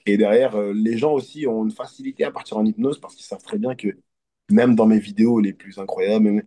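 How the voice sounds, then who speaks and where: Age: adult. Sex: man. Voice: low, mellow, husky. Role: hypnotist guest. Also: fairly even intonation. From Côte d'Ivoire. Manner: earnest, reflective, halting. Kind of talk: casual interview conversation.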